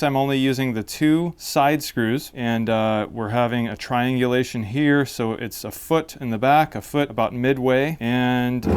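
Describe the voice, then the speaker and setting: A man with a clean, smooth voice at a middling pitch talks through a do-it-yourself project. He is informal and thinks aloud, like a host showing viewers each step. The sound is dry and close, with little room around him. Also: no room sound. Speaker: host of a DIY project video. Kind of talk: casual hands-on DIY explanation.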